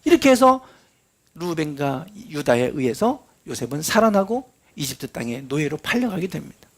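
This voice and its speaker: Middle-aged guy pastor preaching, high voice that swings all over, acts out the story bits. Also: big pitch swings, moderate pace, slightly rough. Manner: storytelling, acting out quoted lines with big pitch swings. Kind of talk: sermon.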